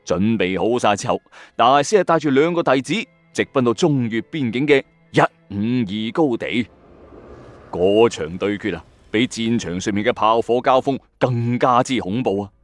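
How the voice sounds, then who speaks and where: Animated Hong Kong Cantonese male storyteller. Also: mid-range voice, moderate pace, no room sound. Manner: suspenseful, colloquial, exclamatory asides. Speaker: host of a ghost story audio channel. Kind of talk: dramatic late-night storytelling narration. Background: background music.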